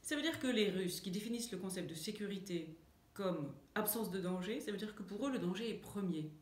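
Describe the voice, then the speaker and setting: A woman's voice: medium pitch, expressive, a little fast. A French woman, an author, answering interview questions with many fillers and restarts. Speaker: author and guest. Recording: echoey room.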